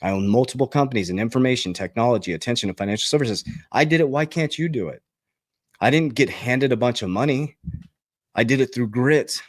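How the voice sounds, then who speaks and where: An emphatic male finance coach talks straight at his listeners in a direct, preachy way. His everyday mid-pitched voice keeps leaping up high for emphasis. The recording is dry and close. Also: expressive, a little fast, dry recording. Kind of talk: motivational talk to camera.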